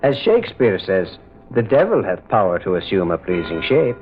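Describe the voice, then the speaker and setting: An actor playing a gentle, shrewd priest detective in an old-time radio mystery, wry and curious, musing in a hesitant, folksy way. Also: male voice, sits low, sing-song, normal speed, faint music behind. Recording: muffled old radio recording.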